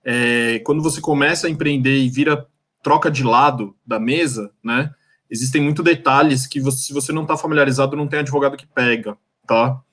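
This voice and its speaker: A man's voice: mid-range voice, a little fast, fairly bright tone. Friendly hesitant Brazilian man. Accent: Brazilian Portuguese. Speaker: lawyer and entrepreneur. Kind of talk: panel discussion, conversational.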